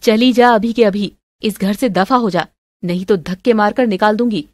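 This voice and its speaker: A woman's voice: medium pitch, moderate pace, a little hiss or hum, lightly acted. A woman voicing a stern, accusing middle-aged mother-in-law in a melodramatic family story. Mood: furious. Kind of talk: melodramatic audio story acting.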